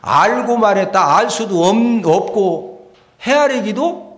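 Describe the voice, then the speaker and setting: A male preacher voicing a humbled, suffering man who haltingly admits he spoke without understanding. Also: high voice, expressive, pitched above the performer's own voice. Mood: remorseful. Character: humbled suffering man confessing his ignorance. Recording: echoey church hall.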